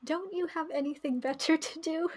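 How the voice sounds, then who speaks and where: A woman's voice: high-pitched, moderate pace, a little hiss or hum, voice pushed up, lightly acted. A woman voicing a mocking, sarcastic talking flower from a video game. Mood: taunting. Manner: sarcastic, taunting.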